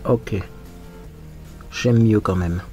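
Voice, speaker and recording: A man's voice: on the low side, extremely slow, warm tone, highs cut off, faint music behind. A man talking through his makeup as he applies it, in a frank, chatty get-ready-with-me style, often thinking aloud. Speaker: makeup vlogger. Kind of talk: casual get-ready-with-me commentary.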